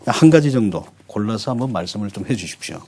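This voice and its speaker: Fast-talking male TV interviewer. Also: fairly low pitch, lively intonation, a little mellow, breathy edge. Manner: polite, formal, prompting. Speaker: TV interviewer, host. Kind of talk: formal broadcast interviewing.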